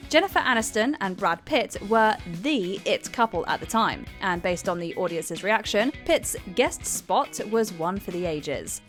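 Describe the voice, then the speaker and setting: A woman's voice: mid-range voice, a bit bright. A woman giving a wry, upbeat scripted narration of a countdown.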